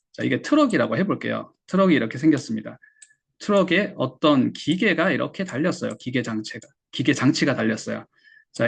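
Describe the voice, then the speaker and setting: A Korean man teaching English pronunciation, patiently explaining and slowly repeating words for learners. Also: mid-range voice, vocal fry, breathy edge. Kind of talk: explaining lesson.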